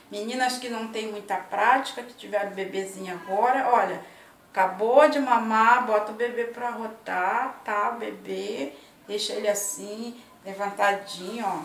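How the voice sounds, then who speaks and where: A woman's voice: fairly high pitch, slight background noise. A woman in her fifties chatting to camera in her home kitchen, affectionate and talkative, often tagging her sentences with little check-ins to the viewer. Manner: chatty, affectionate, tags lines with "né" and "ó". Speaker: vlogger. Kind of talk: casual chat to camera. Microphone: laptop or webcam at arm's length. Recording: echoey tiled kitchen, mic at a distance.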